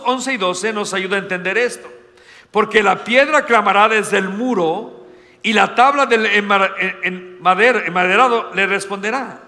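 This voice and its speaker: A male pastor preaching a sermon, swinging between loud emphatic lines and hushed, slow ones. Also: high voice, in a large hall.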